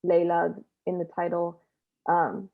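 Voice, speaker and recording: A woman's voice: on the low side, monotone, slow. A woman performer chatting casually as a panel guest, heard over thin, narrow video-call audio.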